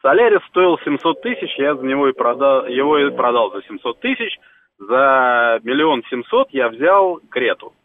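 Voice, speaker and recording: A man calling in to a radio show, explaining at length and pausing while he searches for words. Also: mid-range voice, very animated. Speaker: caller. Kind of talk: phone call to a radio show. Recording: tinny phone line.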